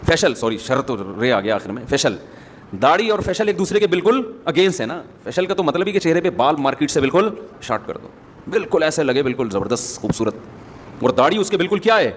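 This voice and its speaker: Male preacher, fairly high voice, casual sermon with asides, long hall echo. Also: sing-song, a little hiss or hum. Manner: conversational, joking asides to the audience. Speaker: Islamic preacher. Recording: long hall reverb, faint ambience.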